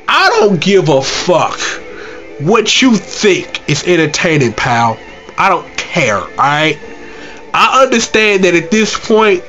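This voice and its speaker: A man's voice: high voice, fairly bright tone, muffled recording. A congested man hosting his own gaming channel, talking casually in a brash, trash-talking, slangy way. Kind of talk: casual gaming vlog outro.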